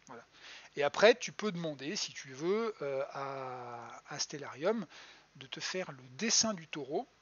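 A planetarium educator, a man, explains stars in a chatty, halting way, full of fillers and restarts. His voice sits fairly high and sounds husky, and the muffled lo-fi audio suggests a home computer mic on a live stream. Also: lively intonation, fairly bright tone. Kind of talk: live-streamed astronomy lesson.

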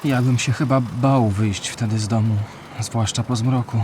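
A man's voice: mid-range voice, steady tone, normal speed, darkish tone, a little hiss or hum, natural voice. A man playing a curious, earnest young boy who asks questions in a children's educational audio drama. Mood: earnest, concerned. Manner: inquisitive, earnest.

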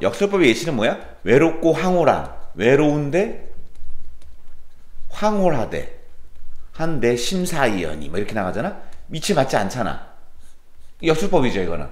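A man teaching literature in a classroom, lecturing animatedly and firing questions at his students. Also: medium pitch. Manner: animated, questioning students, quoting lines in a put-on voice. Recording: roomy classroom echo.

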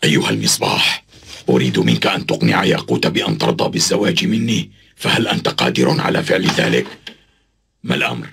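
An actor playing a scheming older sorcerer in a cartoon dub, gravelly, theatrical, gloating and menacing. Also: male voice, extremely low pitch, fast talker, heavily acted. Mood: commanding. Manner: theatrical, cackling. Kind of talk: dubbed cartoon acting. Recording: loud music under the voice.

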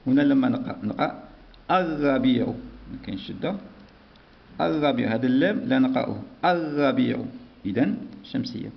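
A man's voice: medium pitch, very animated, very fast, vocal fry. A man teaching a primary school lesson, patiently dictating and repeating words. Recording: dull lo-fi recording.

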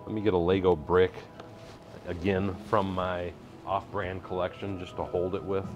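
Chatty low-voiced man on a live stream. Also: little pitch movement, normal speed, muffled recording, music in the background. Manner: chatty, reads out viewer comments and laughs easily. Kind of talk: casual live-stream chat while building. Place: indoor workshop room.

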